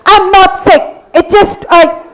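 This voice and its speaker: A woman's voice: very high-pitched, steady tone, slow pace, a little hiss or hum, poor audio. A woman in a staged comic play reading, playing an odd, lift-loving character who is polite but stubborn, hesitant and defensive. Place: live stage at a literature festival.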